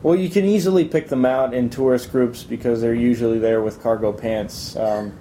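A young man from Italy chatting casually in an interview, relaxed and halting, with lots of fillers and restarts. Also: mid-range voice, slight background noise. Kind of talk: casual chat.

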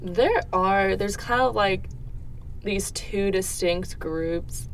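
A woman's voice: medium pitch, takes it slowly, creaky. A young woman from the Netherlands answering interview questions in a casual, informal way, often hedging tentatively. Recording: distant mic, faint background noise.

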